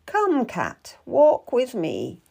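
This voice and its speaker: A woman's voice: on the high side, wildly swooping pitch, very slow, gravelly, a little mellow, breathy edge, voice pushed up, exaggerated voice. A woman voicing a stern, secretive older midwife in a storybook, commanding and solemn in manner. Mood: curt, commanding.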